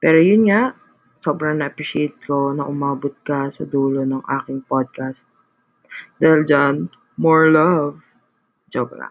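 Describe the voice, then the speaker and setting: A woman's very deep, low voice with ordinary pitch variation, a fairly slow pace, long and frequent pauses, and music in the background. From Philippines. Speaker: podcast host. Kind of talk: casual solo podcast monologue. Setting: late at night. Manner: halting.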